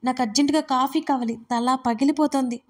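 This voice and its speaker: Hungover young woman, cranky and confused, snapping in high sharp bursts, read by a woman narrator. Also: fairly even intonation, quick pace. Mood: pleading. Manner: complaining, sharp outbursts.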